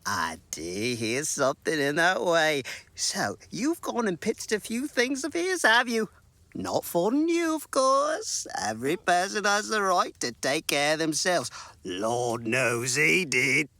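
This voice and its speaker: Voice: medium pitch, very animated, slow, pushed and bright, no room sound, heavily acted. An actor playing a coaxing, seedy male junk-shop dealer in a theatrical Victorian radio play. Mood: sly, welcoming.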